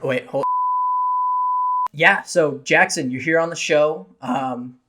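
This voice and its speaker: A man's voice: on the high side, slow, bright, forceful tone. A young man co-hosting a podcast, talking in a loose, rambling, jokey way. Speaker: podcast co-host. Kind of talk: casual podcast chat.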